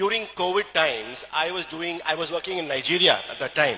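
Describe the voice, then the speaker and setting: Over noticeable background noise, a man with a Keralan accent speaks at a fairly quick pace in a high pitch. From India, Kerala. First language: Malayalam. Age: 60s. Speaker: doctor and supplement business promoter. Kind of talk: motivational sales talk.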